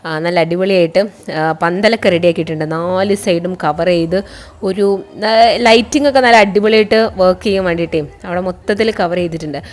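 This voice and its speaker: A woman's voice: lowish voice, fast. A woman with a Kerala accent narrating a casual, chatty vlog, mixing English words into her Malayalam. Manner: chatty, addresses viewers with frequent tag words. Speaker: college teacher and vlogger.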